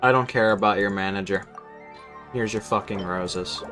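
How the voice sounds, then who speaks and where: This lowish male voice moves at a normal speed over music. He's streaming a game and chatting loosely with his audience, cursing freely, wandering off topic, and saying the same things more than once.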